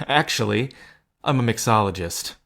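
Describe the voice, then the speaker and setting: A man's voice: on the low side, lively intonation, measured pace, gravelly, a bit bright, exaggerated voice. A man playing an earnest, desperate bartender bluffing as a gambler, in naturalistic audio drama style. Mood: awkward, rambling.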